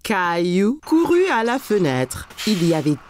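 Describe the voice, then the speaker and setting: A woman narrating a children's cartoon as a warm, scripted storyteller. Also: medium pitch, very animated, a little slow, slight background noise. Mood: storytelling. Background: faint music.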